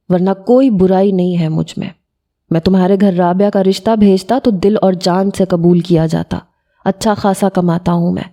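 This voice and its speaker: An angry young suitor in an audio story defends himself and trades insults, voiced by a woman storyteller. The tone stays dark and mellow, with a moderate pitch. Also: lightly acted.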